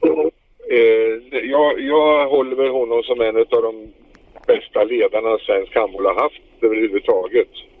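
At a fairly slow pace, a man speaks with very even loudness. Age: 60s. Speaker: former handball player. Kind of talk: interview. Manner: halting.

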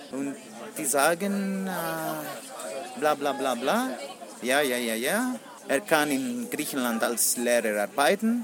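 A man with a Greek accent speaks at a very slow pace, his pitch fairly high. His voice makes very wide pitch swings against crowd noise in the background. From Greece, Crete. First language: Greek (speaking German). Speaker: sports teacher. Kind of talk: interview. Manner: halting.

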